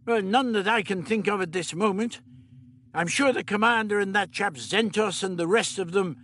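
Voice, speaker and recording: A man voicing an irritable elderly male time traveller who lectures in a brisk, clipped, scolding way. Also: high-pitched, fairly bright tone, a little hiss or hum, pitched above the performer's own voice. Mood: lecturing.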